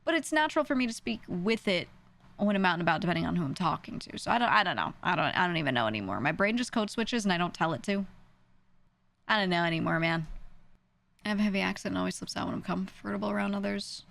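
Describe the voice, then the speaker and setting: A woman's voice: lowish voice, animated, fast, gravelly, a bit bright. A young woman with a New York accent, chatting casually on a stream, rambling and self-deprecating with frequent laughs. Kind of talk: casual stream chat answering viewers.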